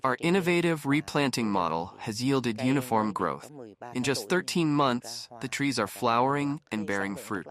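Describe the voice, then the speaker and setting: A man's voice: mid-range voice, expressive, moderate pace, fairly bright tone. A man speaking as a company representative in a news interview, plain and matter-of-fact. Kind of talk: interview soundbite.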